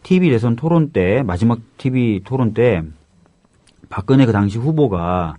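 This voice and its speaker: A man commentating on a talk show, laying out facts point by point in a measured way. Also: medium pitch, lively intonation, mellow, dry recording. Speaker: panel commentator.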